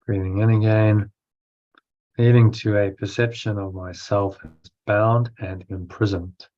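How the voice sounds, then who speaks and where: Deep flat-toned guy doing guided breathwork and affirmations, short phrases w pauses, kinda muffled lo-fi audio. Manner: instructional, pausing between short phrases. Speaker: guided meditation teacher. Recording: dull, lo-fi sound.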